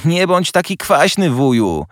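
A man's voice: a little high, big pitch swings, dry recording, clean studio sound, pitched above the performer's own voice. A man doing a cheery young nephew. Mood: cheerful. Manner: bright and quick, eager.

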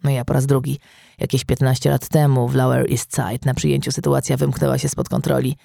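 A man's voice: mid-range voice, level tone, brisk, gravelly, mellow, no echo. A man reading an audiobook aloud as an older male police colleague, a gun history buff, in a dry, matter-of-fact tone.

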